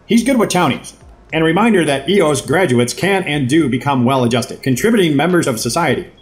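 An actor playing a cynical, foul-mouthed, self-important corporate boss in an audio drama, sarcastic and blustering. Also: male voice, fairly high pitch, animated, fairly quick, breathy edge. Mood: dry. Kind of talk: audio drama monologue and phone dialogue.

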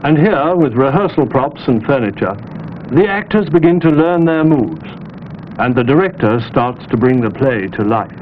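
A British man gives scripted training film narration in a medium-pitched voice. The 1960s soundtrack is very narrow and lightly hissy. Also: lively intonation, moderate pace.

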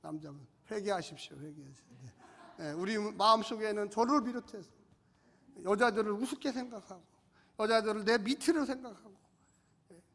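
Male pastor, high-pitched, exhorting sermon delivery in a reverberant sanctuary. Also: brisk, creaky, long pauses, fairly bright tone. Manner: exhorting, calls on the congregation to repeat and respond. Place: church sanctuary. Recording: long church-hall reverb.

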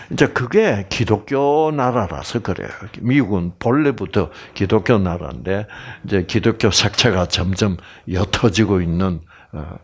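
Slow lively Korean man lecturing. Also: mid-range voice. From South Korea. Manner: slow and drawn-out, many fillers, drops to a near whisper at key points; asks the audience questions and answers them himself. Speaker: health lecturer. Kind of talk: health lecture with sermon-like passages.

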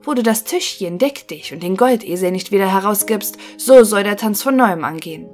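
A woman's voice: medium pitch, animated, moderate pace, a little mellow, soft background music, natural voice. A woman voicing a confident young male craftsman in a fairy-tale audiobook, speaking boldly and boastfully.

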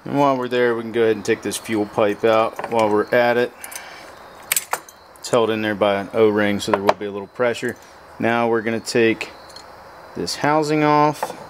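Outdoors at a pickup truck bed used as a workbench, a motorcycle repair how-to host talks through a fix step by step, plain and practical, while working with his hands. His voice is lowish and steady at a moderate pace, with noise in the background.

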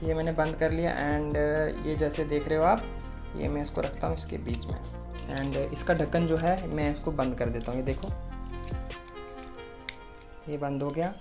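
A young man, chatting step by step as he demonstrates gear at a desk. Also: on the high side. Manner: chatty, explains step by step, mixes English words. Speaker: moto vlogger. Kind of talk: casual tutorial demonstration. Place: small room at a desk.

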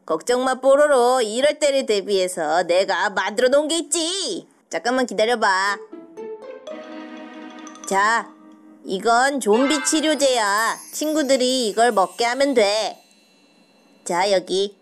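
A woman's voice: fairly high pitch, animated, takes it slowly, soft background music, voice pushed down. A woman voicing a self-assured, clever little boy fox inventor in a children's toy cartoon. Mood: confident.

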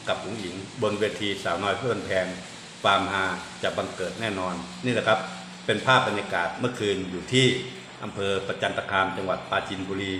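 A man hosting a news vlog, narrating energetically with drawn-out emphasis. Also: on the low side, sharp tone, roomy sound, a little hiss or hum. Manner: upbeat announcer delivery with drawn-out emphasis.

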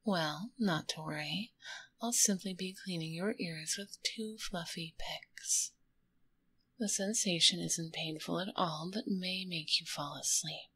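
A woman's voice: lowish voice, breathy edge, heavily acted, rough recording. A woman playing a grumpy young tomboy who works as a secret ASMR artist, whispering breathily into a close binaural microphone in a roleplay. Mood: polite, soothing. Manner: slow, hushed, soothing service talk with curt asides.

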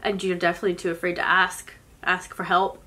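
Young woman in her twenties, tarot reader, sniffly from a cold, slow and reflective delivery. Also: fairly low pitch, level tone. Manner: soft, slow and reflective, with occasional small laughs. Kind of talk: spoken tarot reading. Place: indoors, in front of a floral blanket.

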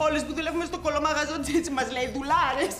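A woman's voice: sits high, fairly even intonation, close to an everyday voice. An actress playing a young shop clerk who tells her troubles in a tearful, melodramatic way. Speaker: shop assistant. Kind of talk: television comedy acting. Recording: roomy set with music behind.

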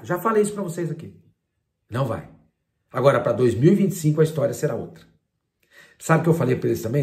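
Older brazilian guy w/ são chatting about football, retells convos, kinda high voice. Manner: animated storytelling, retelling conversations. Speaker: sports journalist and commentator. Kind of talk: casual talk-to-camera commentary.

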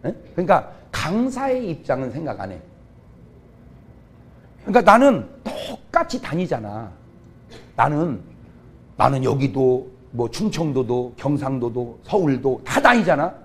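A middle-aged man, a pastor, preaching a comic revival sermon, jumping from quiet asides to sudden shouts. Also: medium pitch, very animated, unhurried, pauses often. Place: church revival meeting.

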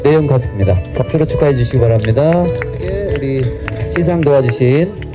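A man's voice: medium pitch, normal speed. A man hosting an awards ceremony on an outdoor stage, formally proclaiming names and prizes over the PA. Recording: PA at outdoor event, music behind. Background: guitar and instrumental music.

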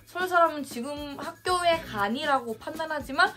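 A young woman with a Thai accent, a native Thai speaker, chatting through a quiz vlog indoors. She exclaims loudly when she gets an answer right or wrong. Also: high-pitched, moderate pace, faint music behind. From Thailand. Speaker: vlogger. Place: indoors in a small room.

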